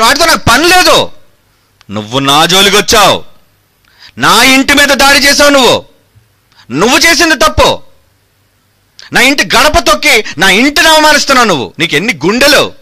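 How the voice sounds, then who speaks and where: A man's voice: high-pitched, pushed and bright. A man preaching a fiery sermon, combative and mocking, firing rhetorical questions.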